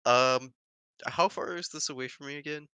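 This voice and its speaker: A man's voice: mid-range voice, moderate pace, pushed and bright, clear, resonant tone, no room sound. A man playing a tabletop game, chatting casually with hesitant fillers. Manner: hesitant, fillers, bursts of laughter. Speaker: player. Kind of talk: casual chat while role-playing.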